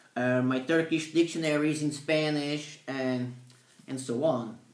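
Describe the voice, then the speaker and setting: A man with a Portuguese accent speaks in a monotone with flat intonation, and the room echo is audible. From Portugal. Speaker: language learning vlogger. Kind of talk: casual vlog monologue. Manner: hesitant, many fillers.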